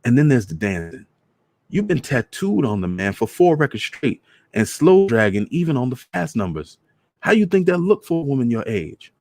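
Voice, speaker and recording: A grown son, as a male reader plays him, gentle yet disapproving. He admonishes point by point with some embarrassment, in a storybook reading with dry sound. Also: mid-range voice, sing-song, normal speed, no echo, voice pushed up. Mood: lecturing. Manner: admonishing, methodical. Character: gentle but reproving grown son, embarrassed by his mother.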